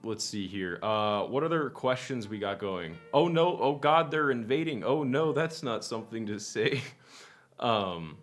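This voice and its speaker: A man's voice: medium pitch, expressive, measured pace. A young man chatting casually on a livestream as a guest, rambling and self-deprecating, swearing casually. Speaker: guest content creator. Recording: lofi music playing faintly behind.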